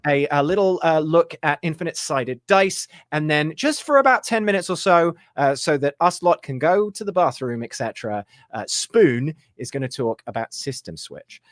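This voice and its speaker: A man hosting a livestream, announcing segments in a loose, halting way with lots of fillers. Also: a little high, lively intonation, dry recording, studio quality. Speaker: livestream host.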